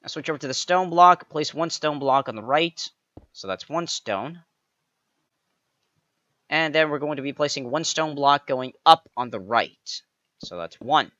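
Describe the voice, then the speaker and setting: Bright-voiced man narrating a build tutorial. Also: fairly high pitch, lively intonation, a little slow, no echo, highs cut off. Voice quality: slightly raspy. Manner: playful, counts blocks aloud, jokey asides. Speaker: pixel art tutorial creator. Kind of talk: step-by-step game build tutorial.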